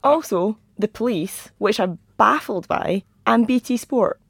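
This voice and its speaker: Croaky, husky-voiced woman talking football. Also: fairly high pitch, animated, a little slow, dry recording, studio quality. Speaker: podcast guest, football pundit. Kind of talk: lively opinionated football discussion. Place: podcast studio.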